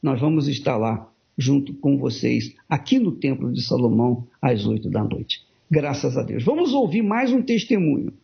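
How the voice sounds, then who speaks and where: A man's voice: medium pitch, lively intonation, normal speed, vocal fry. A man, a bishop, preaching on a broadcast, emphatic and repeating phrases for stress, on muffled audio.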